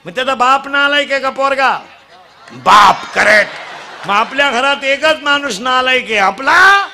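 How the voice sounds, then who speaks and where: High-pitched teasing preacher. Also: male voice, normal speed, crowd noise, noisy background. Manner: teasing, quizzing the children and demanding loud answers; bursts into shouts at times. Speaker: kirtan preacher. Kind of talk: comic kirtan sermon to a live crowd. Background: audience sounds.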